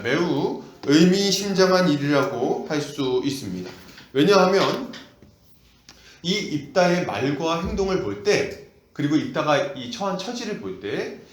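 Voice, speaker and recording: A male pastor preaching an expository sermon and asking the congregation questions, in an echoey church hall. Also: fairly high pitch. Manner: animated, asks the congregation questions.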